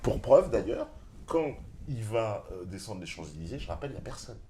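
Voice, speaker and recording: A man's voice: lowish voice, sing-song, brisk, a crowd in the background. A man hosting an interview discussion, indignantly agreeing with and echoing his guest. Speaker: host.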